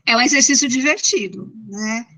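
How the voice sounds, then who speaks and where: A woman with a São Paulo Brazilian accent and a fairly high voice lectures informally. She explains things in a didactic but conversational way, as in an interactive class. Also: moderate pace, fairly bright tone. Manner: didactic, conversational, checks in with listeners. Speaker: university lecturer.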